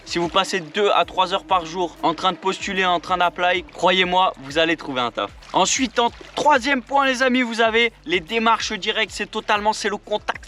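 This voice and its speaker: A man's voice: high-pitched, bright, forceful tone, a little hiss or hum. A man giving upbeat, jokey tips in a casual vlog, talking to viewers as friends. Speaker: vlogger giving job tips.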